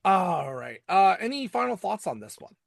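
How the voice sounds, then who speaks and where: A man with a slightly high voice talks through episodes as a podcast host. His delivery is conversational and halting, with repeated words. The sound is very dry, with no room echo. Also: sing-song, creaky. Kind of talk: casual episode recap and commentary.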